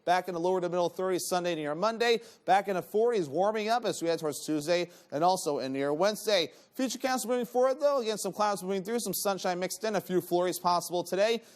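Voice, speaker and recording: A man presenting an ad-libbed TV weather forecast. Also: sits high.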